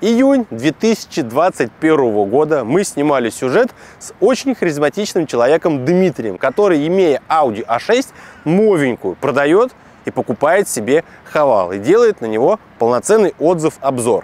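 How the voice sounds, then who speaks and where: Recorded with a dry sound with no echo, a man talks at a fairly slow pace. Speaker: car video host. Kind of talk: casual vlog intro to camera. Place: street. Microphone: lapel.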